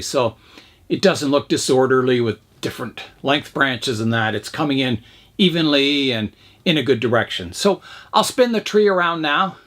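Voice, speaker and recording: A man hosting his bonsai channel, talking casually while he works on a tree, his voice hoarse from talking too much. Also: on the high side, fairly bright tone. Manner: rambling, chatty, talks while pruning. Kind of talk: casual narration while working.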